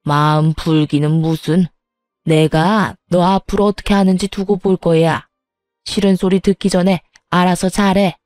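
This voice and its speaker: A cranky elderly mother-in-law grumbles and scolds in a low, mellow voice, as a woman reads her part in a story. She sounds sulky and accusing, and the voice stays dry and close, with faint music underneath. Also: fairly even intonation, unhurried, dry recording, natural voice. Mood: reproachful. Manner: grumbling, reproachful, nagging. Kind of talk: storytelling narration.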